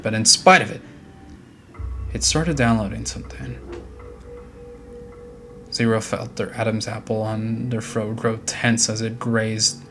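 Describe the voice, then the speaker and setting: A man's voice: lowish voice, fairly bright tone. A man narrating a scripted horror story in a dramatic storytelling style. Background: faint music.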